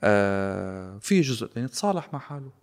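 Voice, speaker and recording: A man with a Lebanese Arabic accent, talking politics in a casual, sarcastic, animated way and slipping into English phrases. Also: lowish voice, brisk. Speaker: guest commentator.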